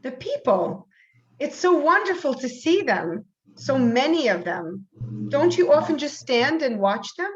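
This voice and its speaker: A woman's voice: high voice, very animated, measured pace. Woman playing a shy, wonderstruck visitor, slightly muffled. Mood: earnest wonder. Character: shy, earnest, wonderstruck middle-aged country woman. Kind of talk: staged play reading. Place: online video call reading. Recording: dull video call audio.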